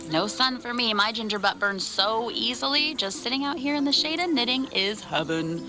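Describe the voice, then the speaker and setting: Brief: actress as young indoorsy knitter wife, casual, mildly reluctant, slightly high voice, music bed. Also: female voice, animated, moderate pace, close to an everyday voice. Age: young adult. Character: Ellen, homebody young wife who prefers knitting in shade. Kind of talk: naturalistic comedic audio drama.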